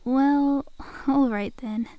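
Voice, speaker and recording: A woman's voice: high-pitched, slow pace, dark tone, no room sound, rough recording. A woman playing a friendly, sly zombie girl in an ASMR roleplay, coaxing a survivor in a chummy, casual, faux-innocent way. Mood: sly, amused.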